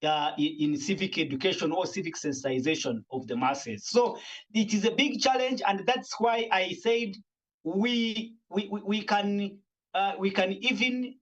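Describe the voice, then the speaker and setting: High-voiced man, earnest panelist. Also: measured pace, rough recording. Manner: earnest, argumentative, frequent restarts. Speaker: media manager and panelist. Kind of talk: panel discussion.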